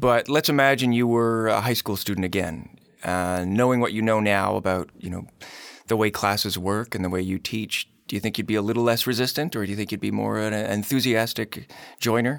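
A man speaks in an ordinary speaking voice with fairly low pitch. His pace is fairly quick, with ordinary pitch variation. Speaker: podcast host. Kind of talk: interview conversation, podcast.

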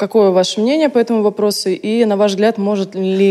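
With a normal speaking voice, a woman talks fairly quickly at medium pitch and with ordinary pitch variation. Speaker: podcast interviewer. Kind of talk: casual interview.

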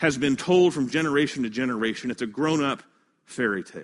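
A plain, everyday voice from a man with an American accent, lively intonation and a moderate pace, over a quiet background. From US Midwest, Kansas City. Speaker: pastor. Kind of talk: sermon. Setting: church.

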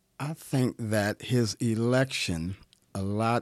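In a very clean recording with a silent background and a dry, close sound with no echo, a man with an American accent speaks with ordinary pitch variation. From Baltimore, Maryland. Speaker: guest. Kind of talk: casual chat. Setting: studio.

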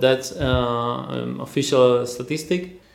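A man with a medium-pitched voice and a Spanish accent, at a fairly slow pace, with audible room echo. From Argentina. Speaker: web designer and volunteer teacher. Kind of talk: interview answers. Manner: halting, repeats words.

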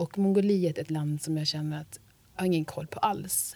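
A woman speaks in a calm, dark, mellow tone. Her intonation stays fairly even. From Sweden, raised from age two; born in Uganda. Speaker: leadership network founder. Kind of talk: casual interview.

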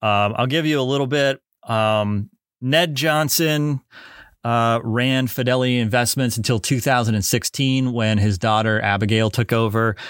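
In a Pittsburgh accent, the speaker talks at a fairly slow pace with very even loudness and ordinary pitch variation on a very clean recording with a silent background. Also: man, medium pitch for a man. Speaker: podcast host. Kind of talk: casual chat. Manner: halting, filler-heavy.

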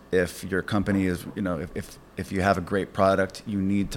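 This man has a very deep, low voice and talks at a fairly quick pace. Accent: Californian. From Los Angeles (Whittier, East LA County). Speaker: startup business development consultant. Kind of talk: podcast interview. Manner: halting with frequent repeated words.

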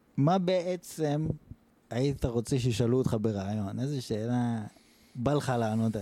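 This man has a medium-pitched, dark and mellow voice with ordinary pitch variation. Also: moderate pace. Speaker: podcast host. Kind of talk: casual chat. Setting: studio.

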